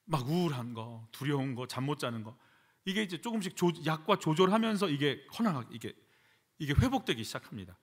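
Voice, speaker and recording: Pastor, male, lively sermon delivery, a bit high, repeats lines for emphasis in church. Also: fairly quick, breathy edge. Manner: animated preaching, acts out prayers with emphatic repetition. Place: church sanctuary.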